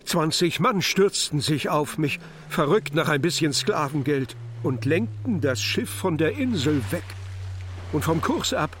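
An actor playing an earnest seafarer telling his tale deliberately in a radio play of epic verse. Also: on the high side, lively intonation, fairly bright tone, slight background noise. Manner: deliberate storytelling.

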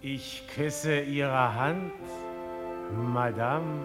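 An actor in a radio drama playing a dreamy crooner who intones old sentimental verses, in a reverberant hall. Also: male voice, medium pitch, drawn-out words, fairly bright tone. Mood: sentimental, eerie. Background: faint music.

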